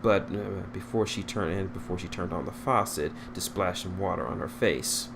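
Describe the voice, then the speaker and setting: A man with a low voice narrates a story in an amateur read-aloud style. He occasionally stumbles and repeats a phrase, and there is clear noise in the recording. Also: normal speed. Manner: stumbles over words and rereads phrases. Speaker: fan fiction reader.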